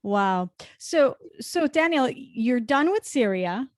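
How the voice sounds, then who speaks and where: A woman's voice: a little high, lively intonation, takes it slowly, dry recording, studio quality. A woman hosting a podcast, asking casual, engaged questions and feeling her way through them. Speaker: podcast host interviewer. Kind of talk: casual conversational interviewing.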